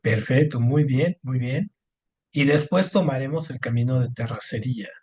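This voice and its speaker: A man's voice: mid-range voice, normal speed, darkish tone, breathy edge. A man teaching a spelling lesson online, patient and encouraging, with many fillers as he corrects a student. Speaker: Spanish teacher. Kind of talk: online tutoring lesson over screen share.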